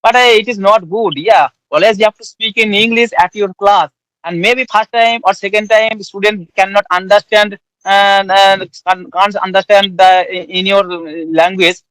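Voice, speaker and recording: Polite male host, fairly high voice, dry recording. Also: fairly even intonation, moderate pace, a bit bright, no echo, poor audio. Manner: polite, frequent agreeing "yes, yes". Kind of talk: casual conversation practice.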